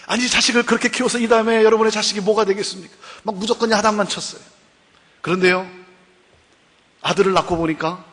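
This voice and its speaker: A woman giving a preaching lecture at a Christian seminar, emphatic, repeating key phrases and asking rhetorical questions. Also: mid-range voice. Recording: long reverb from a hall.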